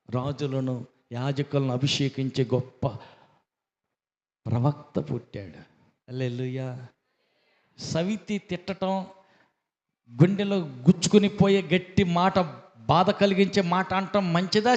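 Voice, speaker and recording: A man's voice: fairly high pitch, darkish tone. Male pastor giving a sermon, exhorting the congregation, muffled roomy recording. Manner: exhorting, calls for hallelujahs from the congregation; rhetorical questions, repeats phrases. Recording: dull echoey hall recording.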